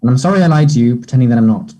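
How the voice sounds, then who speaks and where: A man playing an awkward, earnest young gay man who is apologetic and unsure, speaking haltingly in a play table read. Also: medium pitch, animated, warm tone, close to an everyday voice. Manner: hesitant, halting.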